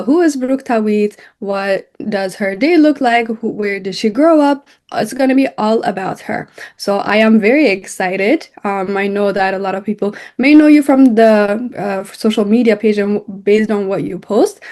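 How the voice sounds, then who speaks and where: A woman with a middle-pitched voice hosts an interview. She sounds friendly and encouraging, asking questions with the odd um along the way. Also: a little mellow. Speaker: interview host. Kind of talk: hosting an interview.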